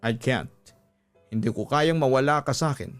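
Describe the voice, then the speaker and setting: A man voicing an apologetic cheating husband who begs in a pleading, drawn-out way, in a story drama. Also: mid-range voice, clean tone, faint music behind, close to an everyday voice. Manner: pleading, drawn-out English phrases mixed with Tagalog. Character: desperate, apologetic cheating husband begging forgiveness.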